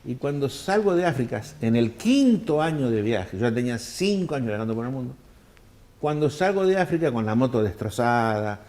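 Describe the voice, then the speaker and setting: An older man from Argentina, telling long animated anecdotes in an interview and acting out the people he quotes. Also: mid-range voice, normal speed. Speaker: world traveler telling his story. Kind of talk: storytelling interview answers.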